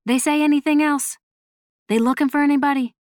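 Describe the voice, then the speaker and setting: A woman's voice: sits high, steady tone, a little fast, dry recording, voice pushed up, natural voice. Stern, salty grandmother in an audiobook, elderly and protective, scolds bluntly, dry studio sound female reader performs her. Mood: blunt concern.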